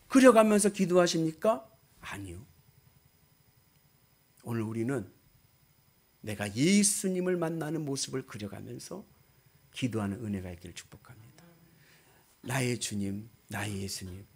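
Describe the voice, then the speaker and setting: A man's voice: high-pitched, pushed and bright. A man preaching a sermon as a pastor, exhorting emphatically and putting questions to his listeners. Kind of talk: sermon with storytelling and direct questions to congregation.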